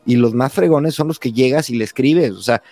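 A Mexican man in his thirties, a podcast host telling his story in a relaxed chat, acting out quoted lines with lively voices. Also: mid-range voice, brisk, no echo. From Mexico, San Luis Potosí. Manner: animated, acts out quoted dialogue, says güey constantly. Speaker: podcast host being interviewed. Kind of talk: casual conversation.

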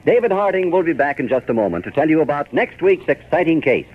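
A tinny vintage radio recording of a male old radio announcer with a higher-set voice. He delivers scripted copy with polished, emphatic salesmanship and lively swings in pitch. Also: fast talker, slightly rough. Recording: tinny, band-limited 1940s radio recording.

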